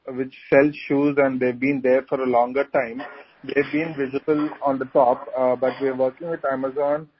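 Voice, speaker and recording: A company executive answering on an earnings call, halting with many fillers. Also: male voice, mid-range voice. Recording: muffled conference call line.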